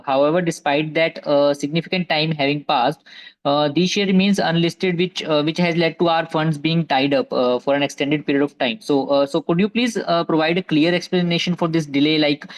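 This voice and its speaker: A man asking a formal investor question on a conference call, polite and halting. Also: a little high, rough recording.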